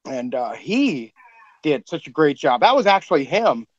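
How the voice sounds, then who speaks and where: A man's voice: fairly high pitch, very animated, moderate pace, no echo, muffled recording. A man on a podcast talking casually about a production, rambling and full of fillers as he praises the cast. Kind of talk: casual behind-the-scenes chat.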